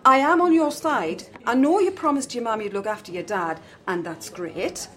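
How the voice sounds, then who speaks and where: A woman's voice: on the high side, moderate pace, fairly bright tone, soft background music, lightly acted. An actress playing a blunt, teasing but caring woman friend. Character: cheeky, supportive woman friend.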